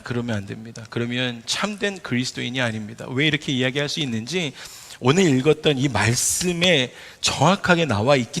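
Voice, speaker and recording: A man's voice: a little high, creaky, fairly bright tone. A male pastor preaching an emphatic sermon and asking the congregation rhetorical questions, recorded in a church sanctuary. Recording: long hall reverb in a church.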